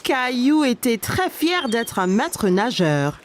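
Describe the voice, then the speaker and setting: A woman narrating a cartoon for small children in a gentle, clear storytelling manner. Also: fairly high pitch, sing-song, slow, slight background noise.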